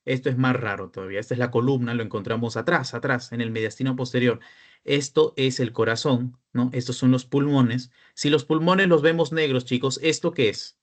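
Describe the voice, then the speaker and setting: A man's voice: mid-range voice, steady tone, normal speed. A young man with a Peruvian Spanish accent, a peer tutor giving an online class lecture, explaining step by step and often checking in with the students.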